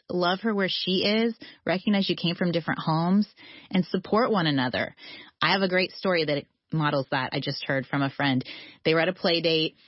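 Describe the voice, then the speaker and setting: A woman's voice: fairly low pitch, no echo, lo-fi sound. A woman author talking earnestly about motherhood and faith in an interview, laughing often and speeding up when she lists ideas. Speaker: author guest. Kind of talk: faith-based interview conversation.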